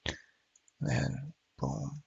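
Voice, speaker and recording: Working in his home studio, this art instructor walks through digital sculpting in a relaxed way, filling pauses and voicing his thoughts as he goes. The medium-pitched voice is flat, gravelly, a little mellow, and slightly rough, with drawn-out words; the recording is dry and dull.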